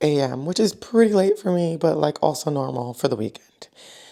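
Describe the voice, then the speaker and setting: A woman speaks at a moderate pace in a dark, mellow, relaxed tone. Her pitch swings very widely. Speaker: lifestyle vlogger. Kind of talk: casual vlog talk.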